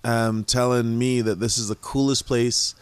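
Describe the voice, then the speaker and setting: A middle-aged man from Jamaica, a museum founder and guest, talking casually in a relaxed way with frequent pauses. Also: medium pitch, clear, resonant tone, no echo. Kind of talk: casual conversation.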